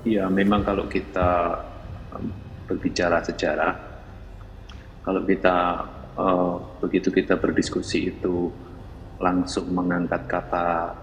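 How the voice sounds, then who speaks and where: A man making measured, formal arguments in an online religious debate. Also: sits low, long reverb tail, poor audio. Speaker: debate participant.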